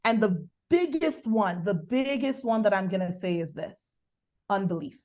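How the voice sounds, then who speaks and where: Brief: Nigerian-accented woman, business coach guest, animated sermon-like delivery. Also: mid-range voice. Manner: animated, preacherly, bursts of quick speech. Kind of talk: faith-based coaching conversation.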